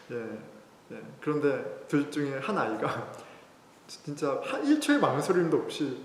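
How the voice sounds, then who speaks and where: Male pastor, sermon, conversational storytelling, lively rising and falling voice, long hall reverb. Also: a little high, a little slow, slight background noise. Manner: conversational, telling a personal story. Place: church sanctuary.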